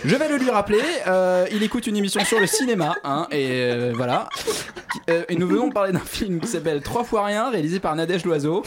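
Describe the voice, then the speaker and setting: A man's voice: high-pitched, expressive, fairly quick, noisy background. A man hosting a radio film show, making dry joking asides. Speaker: host. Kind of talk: casual chat.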